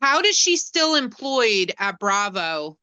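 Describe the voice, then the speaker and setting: A woman guesting on a casual podcast, talking in a measured, casually profane way. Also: mid-range voice, very animated, bright, forceful tone, clear, resonant tone, no echo.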